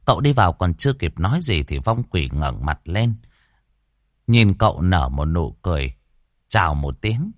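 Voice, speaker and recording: A man narrating a ghost story in a colloquial, expressive way. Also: sits low, moderate pace, no echo, studio quality.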